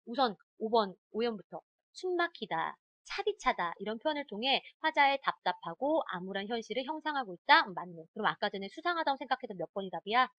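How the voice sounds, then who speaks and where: Lively woman teacher, dry close sound. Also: on the high side, dry recording, lo-fi sound. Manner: animated, talks straight to students, quick quizzing asides. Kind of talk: online exam-prep lecture.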